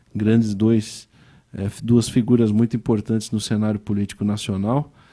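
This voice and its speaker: Over a quiet background, a man speaks at a moderate pace in a dark, mellow tone with fairly even intonation. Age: young. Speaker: state legislator. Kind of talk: formal speech. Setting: auditorium. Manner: hesitant with fillers. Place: hall. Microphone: podium.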